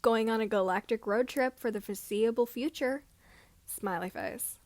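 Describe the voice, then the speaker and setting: A woman's voice: a little high, normal speed, a little mellow, no room sound, close to an everyday voice. A woman voicing an earnest, cheeky young male pilot in a fan fiction reading. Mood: wry, cheeky. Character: earnest, bewildered farm boy turned cheeky young pilot.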